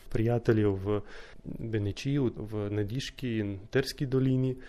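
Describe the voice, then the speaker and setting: Speaking with a Russian accent, a man has a dark, mellow tone at a medium pitch. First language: Russian (speaking Slovenian). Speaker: linguist researcher. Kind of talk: interview.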